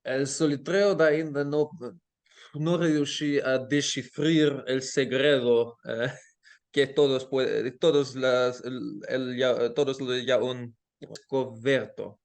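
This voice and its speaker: Slow and halting, he keeps searching for words, restarting sentences and leaning on fillers. His mid-range voice has fairly even intonation; he is a Dutch-speaking language teacher chatting as a guest in a casual interview at home in Amsterdam.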